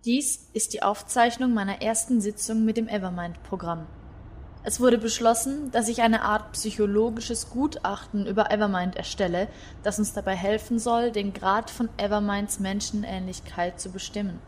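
A woman playing an inquisitive, serious psychologist in a science fiction audio drama, speaking in a deliberate, probing way. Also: medium pitch, darkish tone, a little hiss or hum, close to an everyday voice. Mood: focused.

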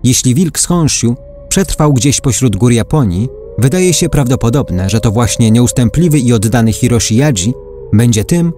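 A man reading a scripted article aloud as a narrator, in a measured storytelling manner, like a documentary. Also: medium pitch, lively intonation, warm tone. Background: faint background music.

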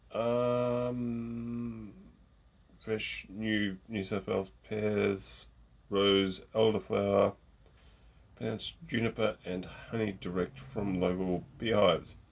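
A man's voice: on the low side, gravelly. A middle-aged man with a stuffy nose from a cold, chatting jokily to camera from a room at home, close to a desk mic. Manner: chatty and jokey, with many ums. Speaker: gin reviewer. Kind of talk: casual tasting chat to camera. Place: home room with shelves of bottles.

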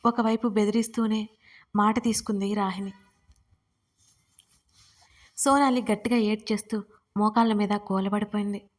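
A woman narrating an emotional audio story, raising her force for the characters' tearful lines. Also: mid-range voice. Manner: voices characters' crying lines with more force.

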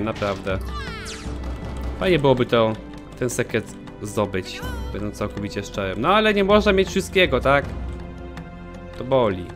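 A young man commenting casually on his own gameplay, joking and swearing at himself. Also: medium pitch. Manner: animated, swears a lot, jokey self-talk. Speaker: gaming channel host. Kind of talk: let's play commentary.

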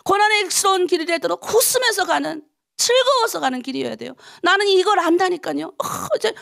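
A middle-aged woman pastor from North Korea delivers a dawn prayer sermon. Her voice sits high and has a gravelly, creaky texture. She exhorts the congregation in an animated way, full of rhetorical questions. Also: a little fast.

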